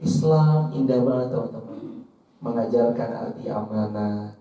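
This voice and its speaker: A man preaching a Muslim sermon, speaking emphatically and pausing on key phrases. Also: mid-range voice. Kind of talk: sermon to an audience, quoting and translating Arabic scripture. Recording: roomy echo, distant mic, slightly dull.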